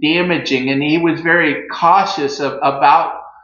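With audible room echo around him, a man talks at a very slow pace in fairly even intonation. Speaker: healthcare worker commenting on politics. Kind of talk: casual vlog commentary. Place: home room. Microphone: phone near.

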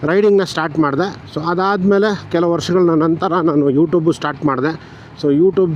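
Fairly high in pitch and fairly even in intonation, a man speaks amid noticeable background noise. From India, Bangalore. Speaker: motorcycle vlogger. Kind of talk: casual vlog monologue.

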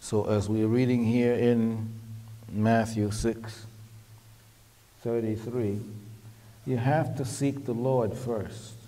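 Speaking very slowly with long, frequent pauses, a man holds a medium pitch in a monotone, flat intonation. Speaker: pastor / church minister. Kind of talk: sermon / Bible teaching to a congregation. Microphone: podium.

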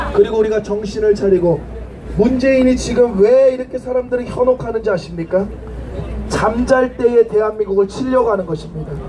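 The speaker is shouting at a fairly quick pace. Light background noise runs underneath. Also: man. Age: 20s. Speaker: political rally speaker. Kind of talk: protest rally speech. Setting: outdoors. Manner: shouting, impassioned. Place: street.

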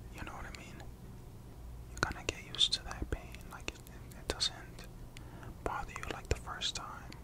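A man whispers at a moderate pace. He leaves long, frequent pauses. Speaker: ASMR artist. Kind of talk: ASMR role play, personal attention. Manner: whispered. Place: home room.

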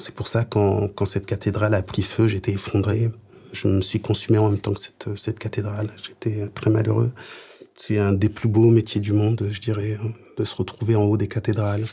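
At a moderate pace, a man talks with fairly even intonation and a fairly low pitch. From northern France (Picardy), born in Haiti; France. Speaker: stonemason. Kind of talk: personal testimony. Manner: hesitant, many fillers and repetitions. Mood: calm, reflective, some sadness. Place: studio.

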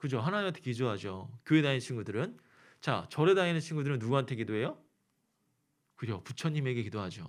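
With an animated tone and lively intonation, a man speaks at a fairly quick pace and a medium pitch in a very clean recording with a silent background. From South Korea, Pyeongtaek, Gyeonggi. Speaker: youth pastor. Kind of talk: sermon. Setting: church service, in person and streamed.

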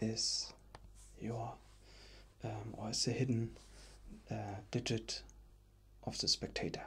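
A soft-spoken man at a very slow pace with long, frequent pauses. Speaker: ASMR creator teaching math. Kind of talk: ASMR math tutorial. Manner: soft-spoken, relaxing. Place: home room.

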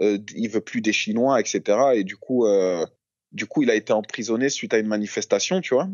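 An unremarkable speaking voice from a man, medium in pitch and moderate in pace, with ordinary pitch variation. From Bordeaux, France. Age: 30s. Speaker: logistics worker. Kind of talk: casual chat.

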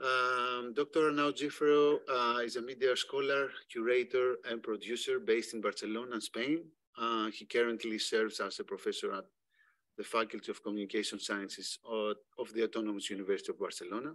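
A man with a Greek accent at a fairly quick pace, with ordinary pitch variation, over a quiet background. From Greece. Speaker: university lecturer. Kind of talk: speaker introduction. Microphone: video call.

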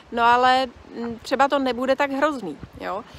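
A woman speaks fairly slowly over light background noise. The sound is dry, with no echo. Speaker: relationship coach. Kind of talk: advice talk to camera. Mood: warm, calm, smiling. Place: waterside. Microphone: lapel.

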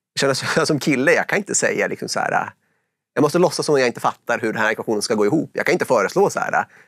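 A man talks at a very fast pace, the sound dry with no echo and the background quiet. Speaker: podcast host. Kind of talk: interview. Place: studio. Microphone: lapel.

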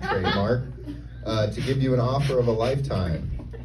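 Over noticeable background noise, a man speaks at a moderate pace with lively intonation. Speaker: stand-up comedian. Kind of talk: stand-up comedy set with a mock sponsored ad read. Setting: stage with live audience, open mic at a veterans hall.

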